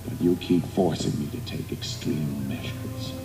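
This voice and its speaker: A man playing a scheming old prospector toy villain in an animated film, with a patronising, theatrical delivery. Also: extremely low pitch, a little slow, roomy sound, over music. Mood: menacing, patronising.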